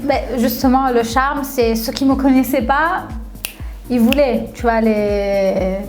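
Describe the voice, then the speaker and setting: A woman's voice: fairly high pitch, takes it slowly, a little mellow. A young woman from Tunisia chatting casually in an interview, often laughing and repeating her words. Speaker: reality TV contestant. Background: faint background music.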